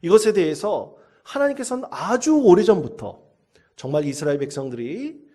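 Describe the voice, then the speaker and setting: A man's voice: sits high, big pitch swings, normal speed, dark tone. A male pastor delivering a sermon, reading scripture solemnly and telling a story to the congregation.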